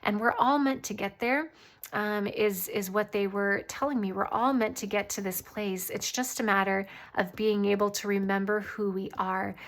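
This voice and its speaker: A woman host giving a casual channeled spiritual reading, often pausing mid-thought as if listening. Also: mid-range voice, steady tone, a bit bright. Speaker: tarot reader and channeler, host.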